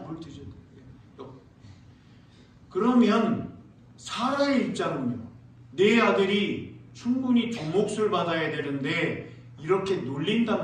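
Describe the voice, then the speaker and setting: A man preaching a sermon as pastor, telling lively stories and asking the congregation questions. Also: a little high, a little hiss or hum. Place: church sanctuary. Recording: echoey church hall, mic far off.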